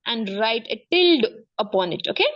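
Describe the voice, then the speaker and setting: Female maths tutor, South Asian accent, higher-pitched, encouraging, interactive, dull lo-fi recording. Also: very animated, normal speed. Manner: encouraging, frequently checking understanding. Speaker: maths teacher.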